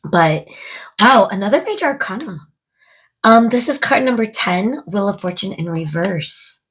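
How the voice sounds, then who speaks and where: Woman tarot reader, husky and stuffed up, chatty musing delivery. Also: mid-range voice, animated, moderate pace. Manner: musing aloud, addressing spirit and viewers. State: stuffed up from a cold. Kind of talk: casual tarot card reading to camera.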